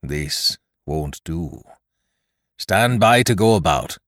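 A man doing a gruff, blustering pirate chief. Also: deep voice, lively intonation, slow, fairly bright tone, no room sound, clean studio sound, heavily acted. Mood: rallying. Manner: gruff, blustering sailor talk. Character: cunning, hardy old male pirate leader.

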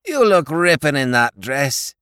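A bumbling, childlike young lord speaks in slow, clipped scraps of sentences, as a reader puts him on. The voice sits far above the reader's own and swoops wildly. The sound is dry and close. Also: medium pitch, big pitch swings, a bit bright, clear, resonant tone, no echo, voice pushed up. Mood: petulant. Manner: clipped telegraphic phrases, slow and emphatic. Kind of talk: audiobook character voice.

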